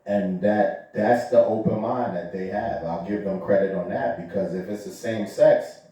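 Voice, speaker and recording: A man's voice: lowish voice, normal speed, dark tone. A man in his forties co-hosting a casual podcast chat, opinionated and joking, asking probing questions. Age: 40s. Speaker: podcast co-host. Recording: very echoey room, far from the mic.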